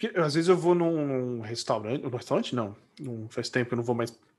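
Against a quiet background, a normal speaking voice moves at a moderate pace with lively intonation. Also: man. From São Paulo, East Zone. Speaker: podcast host. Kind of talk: casual interview chat.

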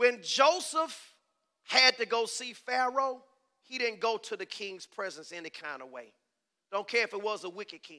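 An animated man with a raised, projected voice speaks at a high pitch and a moderate pace, with lively intonation, a bright, sharp tone, big swings in loudness and a dry, close sound with no echo. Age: 50s. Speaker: pastor. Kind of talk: sermon.

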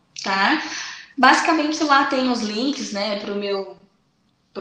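At a moderate pace, a woman talks with ordinary pitch variation amid audible room echo. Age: 20s. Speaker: speech therapist. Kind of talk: interview.

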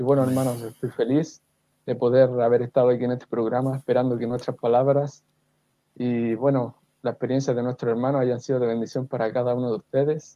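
A man's dark, mellow voice at a fairly quick pace, with monotone, flat intonation. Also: medium pitch for a man. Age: 20s. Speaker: radio panelist. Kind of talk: casual chat. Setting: video call.

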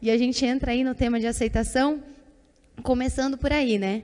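This woman has a high pitch and ordinary pitch variation. She talks at a moderate pace. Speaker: church preacher. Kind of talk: sermon. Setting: church stage with PA.

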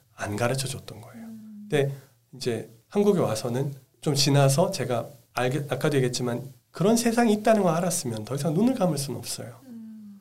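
Loudness swings widely and pitch swings very widely as the speaker talks at a fairly quick pace, with room echo audible throughout. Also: man. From Daegu, South Korea. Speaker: surgeon, clinic director. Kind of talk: interview conversation.

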